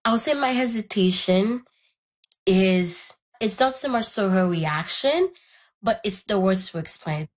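A woman's voice: mid-range voice, expressive, unhurried. A young woman from Haiti whose first language is Haitian Creole, thoughtfully telling her own story as an interview guest and searching for the right words. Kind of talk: reflective personal story.

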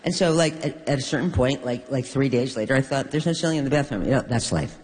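An older woman from New York, a guest in an onstage conversation, telling stories with wry, deadpan humor. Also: rumbling low, quick pace. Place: stage in a hall. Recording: long reverb of a large hall.

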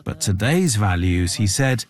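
Low-voiced male radio correspondent. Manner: measured, even narration. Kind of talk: scripted news report.

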